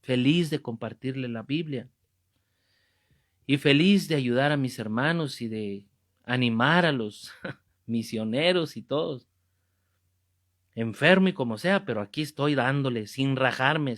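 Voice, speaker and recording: A Catholic preacher, teaching a Bible class in a fervent, emphatic way and repeating key phrases. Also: male voice, medium pitch, measured pace, pauses often, fairly bright tone. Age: 50s.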